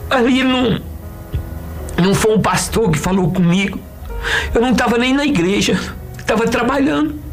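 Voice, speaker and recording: A woman tells her faith story with fervent, tearful emotion, often slowing down. Her voice is somewhat high, with faint music playing beneath. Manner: tearful, fervent, slow in places. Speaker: testimony speaker. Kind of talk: emotional personal testimony. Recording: soft music underneath.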